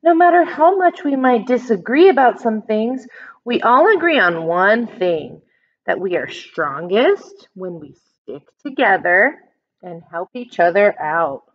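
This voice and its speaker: A woman's voice: medium pitch, very animated, measured pace, muffled recording. An American woman, an elementary school teacher, reads a picture book aloud and explains it simply for young children, stressing key words.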